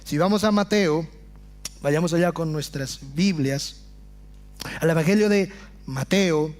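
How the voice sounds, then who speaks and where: A man preaching a sermon with passion, often dropping to hushed low phrases and calling his listeners brothers. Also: a little slow, soft background music. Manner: addresses congregation as brothers. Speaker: pastor.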